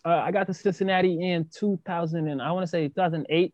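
Halting man from Senegal, guest. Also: high voice, steady tone, darkish tone, no room sound, lo-fi sound. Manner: halting, repeats words, many fillers. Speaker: guest artist. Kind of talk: casual interview chat.

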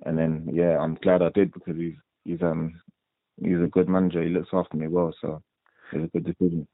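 A man's voice: low voice, level tone, a little fast, no echo. A young man from London with a London accent, a professional boxer answering interview questions in a laid-back, rambling way full of fillers. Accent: London English. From London, England. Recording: tinny dry phone line.

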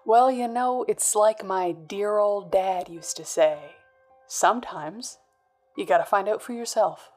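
A woman's voice: medium pitch, unhurried, darkish tone, soft background music, lightly acted. Noir audio drama: woman as tough crime boss, middle register, clipped, sardonic menace, faint score underneath. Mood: menacing. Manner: sardonic, hard-boiled, clipped.

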